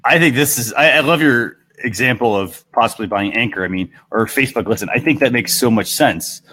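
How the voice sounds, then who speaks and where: A man's voice: medium pitch, brisk, pushed and bright, dry recording. A man co-hosting a casual panel discussion in an agreeable, conversational way. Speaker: talk show co-host.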